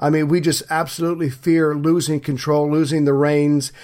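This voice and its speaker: On a very clean recording with a silent background, a man with a normal speaking voice and an American accent talks at a moderate pace with a fairly high pitch and fairly even intonation. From US South, Charleston, South Carolina. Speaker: podcast co-host. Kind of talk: casual political discussion.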